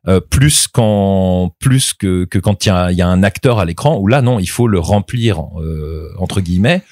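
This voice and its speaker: A man's voice: low voice, expressive, normal speed, a little mellow, no room sound, clean studio sound. A man in his thirties, a voice actor being interviewed, talking casually with many fillers and restarts. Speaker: voice actor guest.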